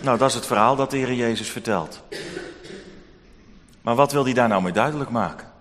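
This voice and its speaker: A man telling a Bible story to children in an expressive, animated way. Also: medium pitch, brisk, a little hiss or hum. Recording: long hall reverb.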